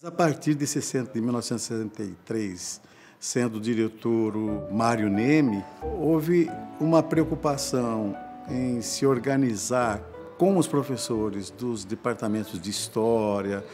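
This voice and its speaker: A man, a museum historian, explaining his career in a measured tone in a documentary interview. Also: medium pitch, darkish tone, faint music behind.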